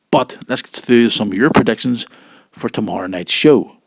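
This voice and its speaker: A man with a husky voice from a cold, hosting a casual wrestling news show and chatting informally and directly to listeners. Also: mid-range voice, unhurried, fairly bright tone, dry recording. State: has a cold.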